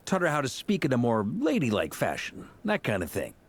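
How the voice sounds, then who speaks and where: A genial joking knight with a lively voice. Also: male voice, medium pitch, fairly quick, background noise. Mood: easygoing. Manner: relaxed, teasing banter. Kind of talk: video game voice acting.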